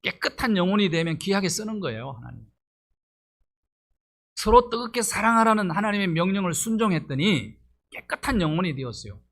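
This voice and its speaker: Male pastor, middle-aged, sermon delivery, rhetorical questions, slightly high voice. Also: big pitch swings, fairly quick, a bit bright. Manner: preaching with rhetorical questions, rising emphasis.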